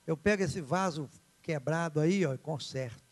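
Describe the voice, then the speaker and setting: A male pastor, preaching a sermon in an animated, dramatic way and acting out the story's characters. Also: a little high, moderate pace.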